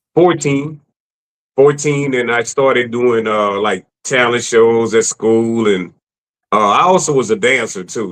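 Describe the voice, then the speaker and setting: Speaking in a Louisiana accent, a man talks at a moderate pace and medium pitch with ordinary pitch variation. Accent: US Southern (Louisiana). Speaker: soul singer. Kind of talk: interview.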